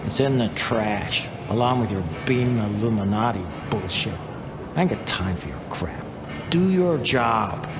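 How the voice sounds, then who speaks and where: An actor playing an irritable, threatening boss in a noir video game, gruff and impatient. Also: male voice, on the low side, lively intonation, a little slow, over music. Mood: angry, threatening. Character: irritable, bullying male boss, foul-mouthed and threatening.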